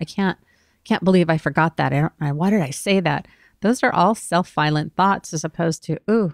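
A woman talks at a fairly quick pace in a plain, everyday voice, fairly low in pitch with ordinary variation. The sound is dry and close with no echo, and the background is silent in this very clean recording. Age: 60s. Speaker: podcast host and therapist. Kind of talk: casual interview chat.

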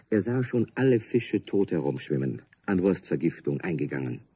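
In a dark, mellow tone, a man talks at a moderate pace with a very deep, low pitch, vocal fry and very wide pitch swings. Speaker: narrator. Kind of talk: children's radio play narration.

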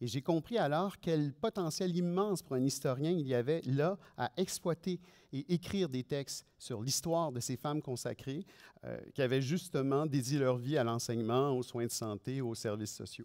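Lively in intonation and fairly high in pitch, a man speaks at a moderate pace against a quiet background. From Quebec. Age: 50s. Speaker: historian and teacher; guest. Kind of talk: interview. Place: stage. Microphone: headset.

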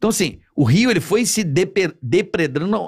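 A man speaks at a fairly slow pace, his voice pitched high for a man and his intonation lively. The tone is animated, and the background is quiet. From São Gonçalo, Rio de Janeiro state; Rio de Janeiro state. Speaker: podcast host. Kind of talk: casual chat. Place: studio. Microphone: studio mic.

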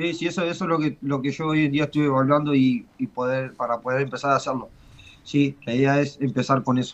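Speaking at a fairly quick pace, a man has a fairly high pitch and fairly even intonation. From Argentina, Santa Fe. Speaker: professional footballer. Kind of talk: casual chat. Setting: video call. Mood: calm, reflective. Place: home room. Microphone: video call.

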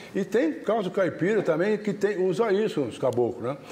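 The man talks at a moderate pace. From Brazil (São Joaquim); Brazil. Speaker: TV show host. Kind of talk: casual chat and storytelling. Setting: TV studio with audience. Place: studio. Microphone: lapel.

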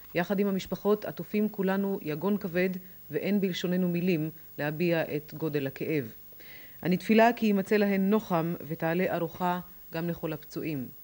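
Here a woman speaks at a fairly low pitch. Her pace is moderate and her pitch varies in an ordinary way. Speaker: news anchor. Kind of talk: 1985 TV news broadcast, anchor reading. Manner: formal, solemn. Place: studio.

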